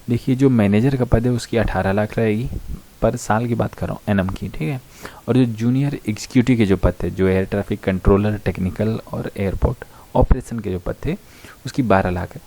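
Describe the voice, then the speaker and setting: A man's voice: fairly low pitch, creaky, dark tone. An Indian man giving an informal explainer to students, going point by point in a conversational way with frequent short check-in tags. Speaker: online educator explaining job vacancies to students. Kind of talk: informal explainer, talking through a notice point by point.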